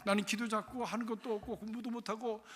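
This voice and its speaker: A man's voice: sits high, level tone, fast, fairly bright tone, big-room sound. A man preacher voicing a lonely, bullied immigrant schoolboy who pleads with God through tears. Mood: tearful pleading. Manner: tearful pleading.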